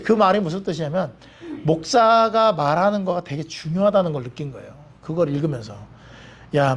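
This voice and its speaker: A male pastor preaching a sermon in a church, blunt and plain-spoken, mixing jokes into stern points. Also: high voice. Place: church sanctuary.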